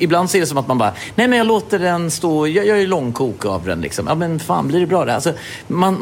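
A man co-hosting a podcast in loose, casual chat. He rambles, swears freely and acts out little scenes. His pitch swings widely, and a faint background hum sits under his voice. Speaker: podcast co-host.

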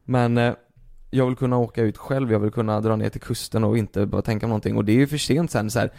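A man's voice: fairly low pitch, gravelly. A man chatting casually as a podcast co-host, swearing a lot as he vents and tells his story with animation. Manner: profane, venting, animated storytelling. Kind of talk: casual chat.

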